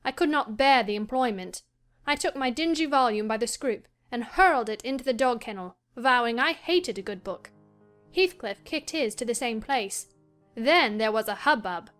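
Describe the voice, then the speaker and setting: A woman as a spirited, high-voiced young diarist, quick to outrage. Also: soft background music. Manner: lively, indignant first-person storytelling. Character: headstrong young girl writing her diary. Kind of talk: dramatized audiobook reading.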